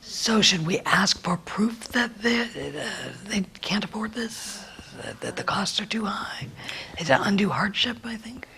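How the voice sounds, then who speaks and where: A woman speaks through live interpretation during a work planning meeting, her phrases halting and broken by frequent ums. Her voice sits at a middle pitch with a gravelly, fried edge. She pauses often as she works toward each thought. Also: lively intonation, pushed and bright. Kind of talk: live sign language interpretation voiced aloud.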